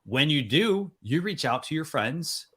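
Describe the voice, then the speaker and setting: A man's voice: a little high, very animated, measured pace, bright, forceful tone, breathy edge. A man hosting a weekly online talk show, speaking in a friendly, loose way with plenty of fillers.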